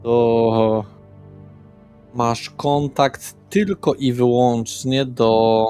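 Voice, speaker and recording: A man's voice: mid-range voice, steady tone, very slow, warm tone, clear, resonant tone. A man acting as game master, improvising narration and character dialogue for a tabletop role-play. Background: faint music.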